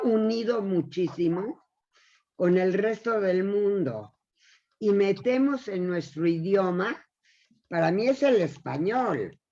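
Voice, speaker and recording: A woman speaks at a very slow pace. Her medium-pitched voice has lively intonation. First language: Yiddish (speaking Spanish). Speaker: retired teacher. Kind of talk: casual chat.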